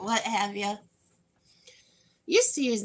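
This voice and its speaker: This is a woman speaking. She has a Western New York accent. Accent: Western New York (Inland North) American. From Western New York, US. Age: 40s. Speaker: livestreamer. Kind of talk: casual livestream chat. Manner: chatty, rambling casual.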